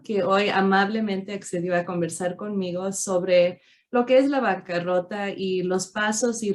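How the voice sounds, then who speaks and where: A woman lawyer hosting an interview, with a formal, carefully scripted opening. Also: fairly low pitch. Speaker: host and lawyer. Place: online video interview.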